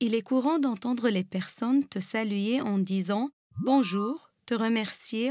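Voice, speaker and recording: Speaking very slowly in a Lebanese accent, a woman uses a fairly high pitch with ordinary pitch variation. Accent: Lebanese accent, rolled R. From Lebanon. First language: Arabic (speaking French). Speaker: essayist presenting a segment. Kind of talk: scripted narration.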